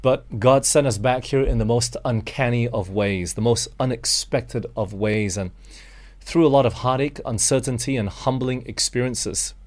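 A man's voice: medium pitch, moderate pace. A Malaysian man preaching a sermon, earnest and direct, calling his listeners friends and asking them rhetorical questions.

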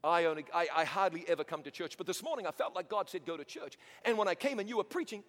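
A man voicing a troubled young mother who speaks quietly and with resolve. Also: high-pitched, quick pace. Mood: earnest. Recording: long hall reverb.

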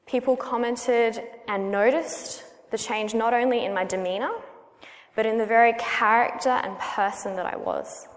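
Earnest Australian woman in a reverberant hall. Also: fairly high pitch. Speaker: guest speaker giving a testimony. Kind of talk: prayer and personal testimony.

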